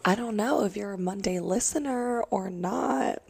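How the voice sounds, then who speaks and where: Raspy young woman, slow easy talk, gravelly voice, phone mic, in a car. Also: medium pitch, a little mellow, no echo. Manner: chatty, swears freely. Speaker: podcast host. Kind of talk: casual solo rant. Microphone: phone microphone.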